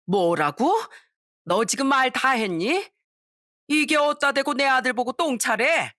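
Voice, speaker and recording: A woman's voice: medium pitch, very animated, normal speed, fairly bright tone, no room sound, studio quality. A woman voicing an indignant middle-aged mother-in-law who sharply defends her son. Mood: furious.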